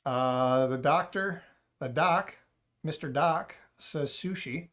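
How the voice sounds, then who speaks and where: A man's voice: a little high, slow, fairly bright tone. Casual male streamer, joking, rambling, chatting with viewers. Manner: joking, rambling, talks to chat and cat. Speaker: livestream host. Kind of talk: casual livestream chat.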